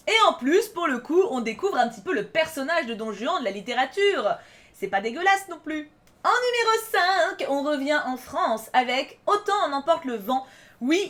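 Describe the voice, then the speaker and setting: Young female vlogger, slightly high voice, excitable and rambling. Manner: enthusiastic, rambling with many fillers and restarts. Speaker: YouTuber. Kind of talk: casual vlog countdown.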